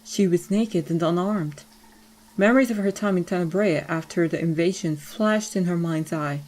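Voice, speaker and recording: A woman's voice: on the low side, normal speed, darkish tone. A woman reading scripted story narration as the narrator of an audio drama.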